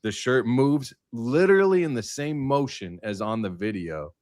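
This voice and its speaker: A man's voice: mid-range voice, animated, normal speed, darkish tone, no room sound, studio quality. A man talking casually in a roundtable discussion, with informal, slangy and emphatic phrasing. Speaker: livestream panelist.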